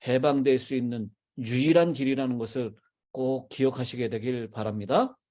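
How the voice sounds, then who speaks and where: A man's voice: medium pitch, fairly even intonation, moderate pace, dark tone. A man, a pastor, preaching a sermon in a church and putting questions to his congregation. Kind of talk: sermon with congregation call-and-response. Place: church sanctuary.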